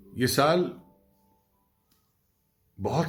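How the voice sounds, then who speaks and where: A man is speaking. Music plays in the background. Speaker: voice-over artist. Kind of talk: spoken introduction to a poem. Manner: warm, courteous.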